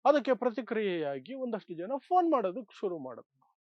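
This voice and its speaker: High-pitched man, emphatic political commentary. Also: sing-song, a little fast, no echo. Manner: emphatic, rhetorical repetition in short phrases. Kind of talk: opinionated political news commentary. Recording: dull, dry lo-fi sound.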